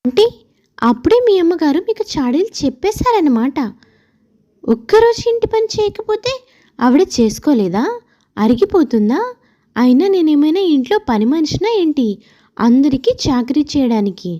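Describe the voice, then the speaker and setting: A woman's voice: high voice, sing-song, normal speed, pauses often, mellow, highs cut off. A woman voicing an aggrieved young wife and daughter-in-law in a story, complaining and argumentative. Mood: defiant.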